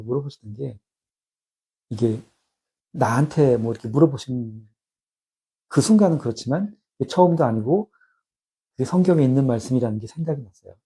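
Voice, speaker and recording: A man in his fifties giving a personal spiritual testimony, reflective and halting with many restarts. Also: medium pitch, dark tone, breathy edge.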